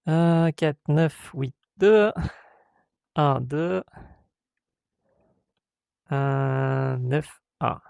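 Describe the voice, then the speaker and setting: Man, tech tutorial host, slow and halting, gravelly voice, dry close sound. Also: fairly high pitch, no echo. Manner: hesitant, many "euh" fillers, reads out codes step by step; voices the software in playful mock dialogue. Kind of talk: screen-recorded tech tutorial.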